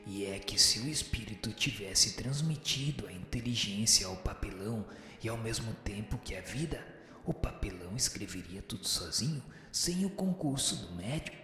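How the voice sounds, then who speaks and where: A man's voice: lowish voice, lively intonation, sharp tone. A man playing an echoing, solemn spirit teacher. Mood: firm, didactic. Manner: formal, didactic, measured. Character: solemn wise male spirit teacher answering questions. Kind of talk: radio drama dialogue. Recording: reverberant echoing hall, music underneath. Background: music.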